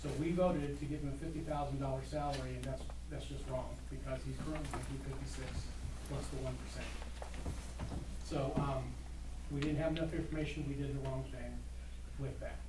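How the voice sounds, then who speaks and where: A man's voice: mid-range voice, fairly even intonation, brisk. A man chairing a committee at a public county board meeting, reading a report aloud and then speaking firmly with some fillers. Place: large echoey meeting room. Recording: echoey distant room audio with noise.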